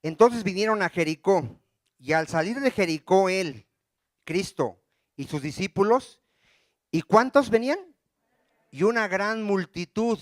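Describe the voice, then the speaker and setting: A male pastor with a high voice preaches a sermon, recorded dry and close. He reads scripture aloud, breaks off mid-verse and keeps firing questions at the congregation so they fill in the words. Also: animated, no room sound. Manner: quizzes the congregation with rapid questions.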